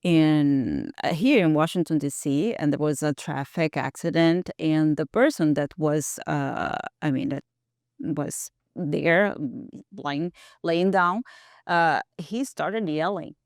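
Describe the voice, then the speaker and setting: A woman's voice: low voice, slow, a little mellow, no room sound, studio quality. A woman on a podcast panel, telling an anecdote hesitantly with many fillers.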